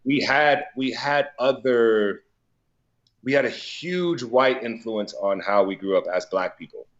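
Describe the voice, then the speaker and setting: A man's voice: medium pitch, measured pace, a bit bright, muffled recording. Laid-back, loosely talking man from Colorado. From Colorado, USA. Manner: loose and profane, many "like" fillers, laughs easily. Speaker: guest, DJ and business owner. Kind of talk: casual conversation.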